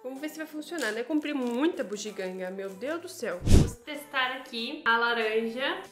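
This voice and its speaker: A woman's voice: a little high, animated, normal speed, reverberant, faint music behind. A Brazilian woman with a Brazilian Portuguese accent, casually chatting and joking with viewers while testing kitchen gadgets at home. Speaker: YouTuber testing products. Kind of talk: casual product-testing chat to camera.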